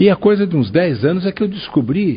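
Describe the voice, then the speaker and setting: Vocal fry runs through a voice with very wide pitch swings. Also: man. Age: 70s. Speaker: radio journalist and host. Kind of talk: radio interview.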